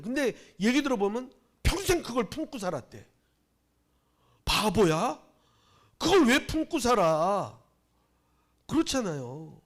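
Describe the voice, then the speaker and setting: Male pastor, Gyeongsang-born with a Jeolla lilt, preaching in a lively, rather high voice; chatty sermon full of questions to the congregation. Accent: Gyeongsang Korean with Jeolla dialect habits. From Gyeongsang region of Korea. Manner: conversational preaching with rhetorical questions, shifting between loud and hushed. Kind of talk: Sunday sermon. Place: church.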